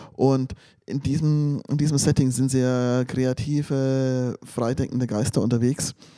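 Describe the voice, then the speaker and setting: Medium-pitched male speech at a fairly slow pace, fairly even in intonation, with a dry, close sound and no echo. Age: 40s. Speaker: pastor. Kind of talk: interview testimony. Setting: in-person recording in a lounge room.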